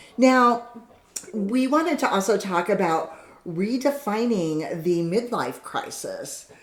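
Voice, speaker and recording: Very wide pitch swings at a very slow pace, with audible room echo and noticeable background noise. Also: woman, fairly high pitch for a woman. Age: middle-aged. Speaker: podcast host. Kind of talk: casual interview chat.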